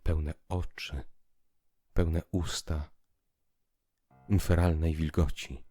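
A man narrating literary prose in a theatrical, declamatory way, moving between hushed and emphatic delivery. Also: a bass voice, flat delivery, takes it slowly, breathy edge, no room sound. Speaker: audiobook narrator. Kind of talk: dramatic literary narration with piano music. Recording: piano music behind the voice. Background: piano music.

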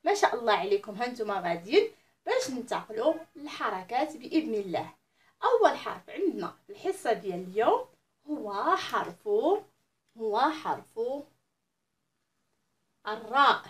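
A woman with a Moroccan Arabic accent teaching the alphabet to young children. She calls out each letter loudly and drags it out for them to repeat. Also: fairly high pitch, big pitch swings, a little fast, distant mic.

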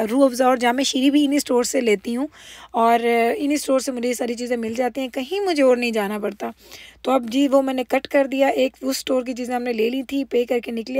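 A woman's voice: on the high side, a little mellow, dry recording, clean studio sound. A middle-aged woman, narrating a vlog casually and chattily, mixing in English words. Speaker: vlogger, homemaker.

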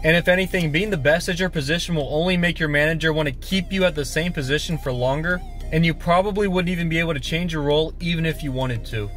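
A man's voice: on the high side, quick pace, few pauses, fairly bright tone, faint music behind. A man in his twenties giving casual advice to camera in a vlog, recorded at arm's length inside a car. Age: 20s. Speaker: YouTuber and warehouse worker giving tips. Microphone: phone or camera at arm's length.

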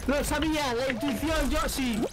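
A man's voice: extremely high pitch, moderate pace. A man playing along, grumbling and sarcastic in casual chat. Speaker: co-player. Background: game music.

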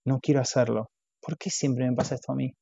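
A man's voice: medium pitch, animated, moderate pace, gravelly, no room sound. A man voicing a woman who helps politely but resents it, in a dull, dry audiobook recording. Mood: resigned. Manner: polite on the surface, quietly resentful.

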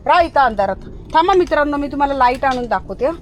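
A woman's voice: high-pitched, animated, fast talker, slight background noise. A woman vlogging at night outdoors on a handheld phone, chatting to viewers and scolding and calling out to her dog. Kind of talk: casual vlog narration to viewers.

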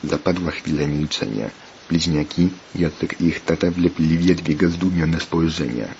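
Very deep-voiced man narrating a story. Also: moderate pace, creaky, darkish tone. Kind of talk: read-aloud children's story. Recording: muffled lo-fi with faint hiss.

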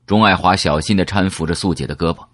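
A man narrating an audiobook in the first person, measured and dramatic. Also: sits low, a bit bright, no echo, studio quality.

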